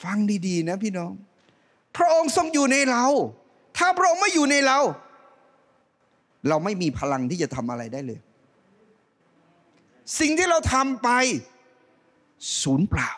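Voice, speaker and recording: A middle-aged man preaching a sermon on a church stage into a handheld mic, animated, swinging from loud rising calls to soft low asides. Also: a little slow, pauses often. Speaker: pastor.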